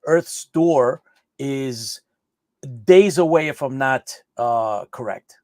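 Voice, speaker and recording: A man's voice: mid-range voice, lively intonation, slow pace, a little mellow, no echo. A man hosting a live online interview show, chatty, often repeating words and restarting his sentences. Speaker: host.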